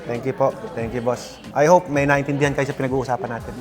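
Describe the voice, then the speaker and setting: A man with a Filipino accent hosting a vlog, pitching water station packages to customers in a teasing, pushy salesman manner. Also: steady tone, fast talker, a little mellow, in a large hall, faint music behind. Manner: joking, pushy salesman, mixes Tagalog and English.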